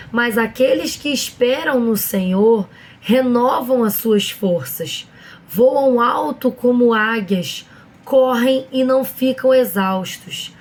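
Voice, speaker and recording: A hoarse woman hosting a casual devotional talk, addressing viewers directly with frequent fillers and reading Bible verses slowly and deliberately. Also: on the high side, a little mellow. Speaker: online devotional host.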